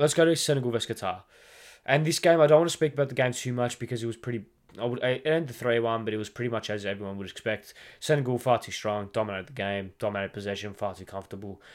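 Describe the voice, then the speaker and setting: A man with an Australian accent, very fast pace and medium pitch. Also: ordinary pitch variation. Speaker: football podcast host. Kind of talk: solo podcast commentary. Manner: halting, many fillers and repeats.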